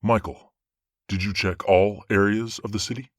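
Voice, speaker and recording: A man playing a stern but fair archangel judge in a fantasy audio drama, with formal, measured authority. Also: fairly low pitch, fairly even intonation, no room sound, studio quality, close to an everyday voice. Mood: measured, probing. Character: stern, fair male archangel presiding over a trial.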